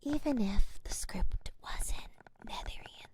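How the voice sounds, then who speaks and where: Very slow, whispering scholarly witch played by a woman. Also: mid-range voice, animated. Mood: pondering, reassuring. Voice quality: soft, breathy, mostly whispered. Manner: slow, measured, pausing with thoughtful hums. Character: calm, curious scholarly witch tending a cursed student. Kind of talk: soft-spoken ASMR roleplay.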